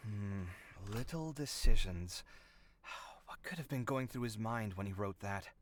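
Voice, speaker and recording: A man's voice: fairly low pitch, measured pace, slight background noise, lightly acted. A man voicing a young adult scholar in an anime game, wry and thoughtful, with an articulate, musing delivery.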